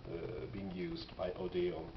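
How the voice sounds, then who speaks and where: Male collector, casual halting presenter; dull sound with clear noise. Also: low voice, level tone. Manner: halting, pausing, thoughtful delivery. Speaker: record collector presenting finds. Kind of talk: casual unscripted show-and-tell. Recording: dull, noisy, echoey home recording.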